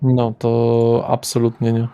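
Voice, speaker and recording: A man narrating a tabletop game as its game master, his voice sitting in an ordinary middle pitch. He describes places loosely, pausing on fillers and correcting himself as he goes. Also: completely flat delivery, warm tone, slight background noise.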